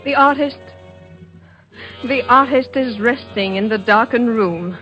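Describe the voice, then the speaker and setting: An actress playing a weary, frightened wife in a 1940s radio drama, speaking in a tense, reluctant way. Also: female voice, a little high, unhurried, faint music behind, close to an everyday voice. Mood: reading tense. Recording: dull old radio broadcast.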